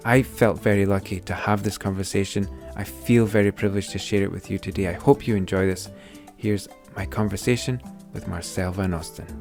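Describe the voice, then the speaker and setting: A man's voice: low voice, fairly even intonation, fairly quick, few pauses, darkish tone, soft background music. A man hosting a podcast, enthusiastic, with fillers and some hesitation. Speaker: podcast host. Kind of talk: podcast intro and interviewing.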